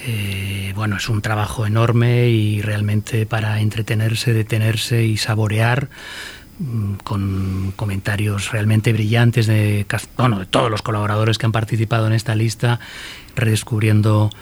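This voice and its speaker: A man co-hosting a music radio show, speaking in a measured way with occasional fillers and self-corrections. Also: lowish voice, level tone, darkish tone, slight background noise. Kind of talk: casual radio presentation.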